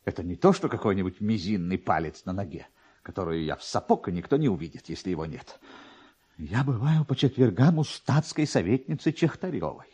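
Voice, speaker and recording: A man's voice: lowish voice, sing-song, fairly quick, a little mellow, slightly rough, pitched below the performer's own voice. A man voicing an agitated, self-important male government official, flustered and insistent, in a dramatised literary reading. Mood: flustered, pleading. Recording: dull, lo-fi archive radio recording.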